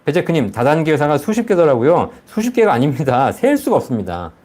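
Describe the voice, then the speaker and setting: A man's voice: on the high side, sing-song, quick pace, a little mellow. A man hosting a live advice stream, explaining things to viewers and often checking in with rhetorical questions. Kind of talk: live call-in style financial advice, answering viewer comments.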